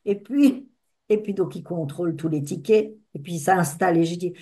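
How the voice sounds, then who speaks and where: With a fairly low voice and moderate pace, an older woman tells her life story to listeners at a talk that includes audience discussion. Her storytelling is expressive, and she acts out the conversations she describes.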